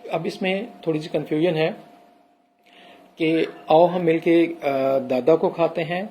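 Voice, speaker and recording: A man's voice: fairly high pitch, fairly even intonation, mellow, slight background noise, poor audio. A man teaching an English grammar lesson, explaining step by step and reading out English example sentences. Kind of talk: recorded classroom lecture.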